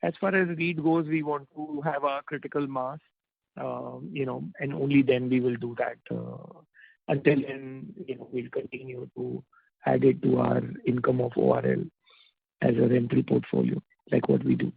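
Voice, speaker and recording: A man with an Indian accent answers investor questions as a company executive, in informal, halting phrasing. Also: mid-range voice, creaky, breathy edge, dry recording. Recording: tinny, dry phone line.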